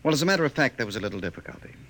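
An actor playing a smooth, condescending government official courting his fiancée in a 1950s radio drama. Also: medium pitch, sing-song, rapid-fire, a bit bright. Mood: evasive, placating. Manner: suave, condescending, evasive.

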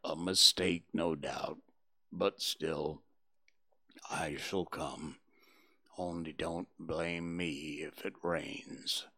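A man's voice: very deep voice, fairly even intonation, creaky, bright, forceful tone, dry recording, voice pushed down, full character voice. Eeyore, a man doing a gloomy donkey. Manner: slow, sighing, mournful drawl. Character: gloomy old male donkey, self-pitying. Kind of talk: storybook reading.

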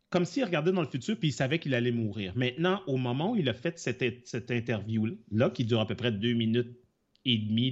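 A man co-hosting a casual podcast chat, on a dull, lo-fi recording. He rambles through his explanations, stopping to correct himself. His voice sits at a middle pitch. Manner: rambling explanations with many fillers and self-corrections. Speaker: podcast co-host. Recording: dull lo-fi sound.

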